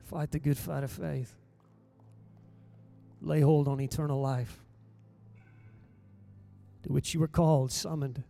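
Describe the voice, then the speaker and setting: A man with a high, mellow voice preaches to his congregation in a church sanctuary. He drives his points home with emphatic stresses and long dramatic pauses, while soft music plays faintly behind him. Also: steady tone, vocal fry. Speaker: pastor. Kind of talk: sermon.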